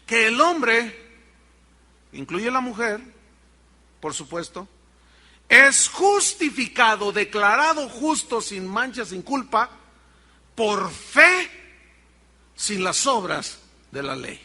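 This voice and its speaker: A man's voice: high-pitched, very animated, slow pace, long pauses, pushed and bright, long reverb tail. A man preaching a sermon as pastor, emphatic and firing rhetorical questions at the congregation.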